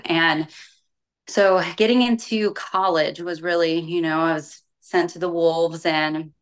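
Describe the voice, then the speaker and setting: A young adult woman, casually telling her personal story in a conversational way, peppered with "like" and "you know". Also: low voice. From born in Europe, grew up partly in the United States. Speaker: bikini competitor and fitness coach, podcast guest. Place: small room at home.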